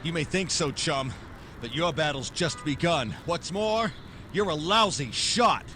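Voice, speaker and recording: A man's voice: fairly high pitch, animated, measured pace, pushed and bright, slight background noise. A man playing a tough, sardonic private detective in 1940s noir radio style, with clipped, threatening wisecracks. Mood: cool, sardonic. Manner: clipped wisecracking, hard-edged delivery. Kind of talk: 1940s noir radio drama acting, first-person narration.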